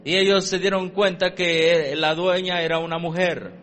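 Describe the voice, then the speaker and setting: Male sermon interpreter, high voice, quick and halting, lots of fillers. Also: fairly even intonation, a bit bright, slight background noise.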